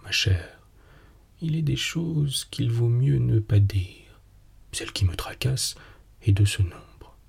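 A man's voice: medium pitch, expressive, takes it slowly, a little mellow, full character voice. A man whispering as a guilty, hesitant husband, whispered role-play. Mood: reluctant. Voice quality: whispered, breathy. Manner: reluctant, hesitant. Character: embarrassed remorseful husband, an army officer.

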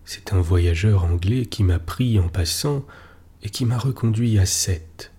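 A man reading as a worn-out old sailor, low husky voice, slow and flat, plain spoken, dark tone, like he's telling it straight with no fuss. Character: weathered older sailor returning home, blunt.

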